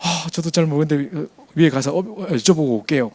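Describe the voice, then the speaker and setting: Brief: man playing a shy young flight attendant, soft, slow and apologetic. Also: a little high. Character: polite, flustered young female flight attendant.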